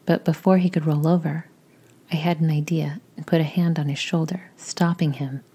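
A woman tells a story in the first person, almost entirely in an unvoiced whisper. Her voice sits low and mellow, with a husky, airy texture, and her delivery stays slow and intimate throughout. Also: fairly even intonation. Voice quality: breathy whisper.

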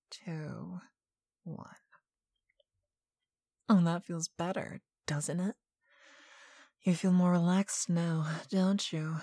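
Slow whispering commanding woman, dry close sound. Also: on the low side, gravelly, a little mellow, no echo. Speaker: hypnosis audio narrator. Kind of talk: whispered ASMR hypnosis roleplay.

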